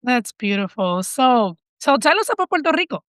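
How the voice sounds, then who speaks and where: Female podcast host, mid pitch, supportive and affirming, dry recording. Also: sing-song, normal speed, a bit bright, no echo. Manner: encouraging, frequent affirmations. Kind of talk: casual interview.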